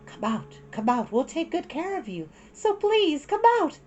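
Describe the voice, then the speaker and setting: A woman voicing an excited, sweet young girl in a storybook, calling out eagerly. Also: high-pitched, a little slow, dull audio, soft background music, pitched above the performer's own voice. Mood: coaxing.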